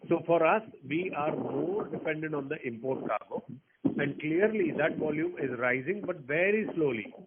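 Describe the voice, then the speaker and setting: A man's voice: a little high, lively intonation, moderate pace. A man, a company executive giving a clarifying explanation on a conference call. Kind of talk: explanatory earnings call answer. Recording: noisy narrowband phone conference line.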